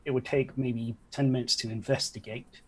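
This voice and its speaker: A man's voice: mid-range voice, level tone, normal speed. Informal male game master, slightly noisy recording. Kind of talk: casual improvised narration of a tabletop game. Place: indoor room at home, on a video call.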